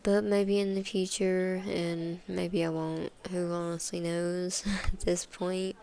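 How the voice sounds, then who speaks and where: A woman records a gameplay voice-over, stuffed up and congested. Her low voice has a gravelly fry, and she rambles slowly and casually with plenty of fillers. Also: little pitch movement, dark tone. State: congested from sinus trouble. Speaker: gaming video host.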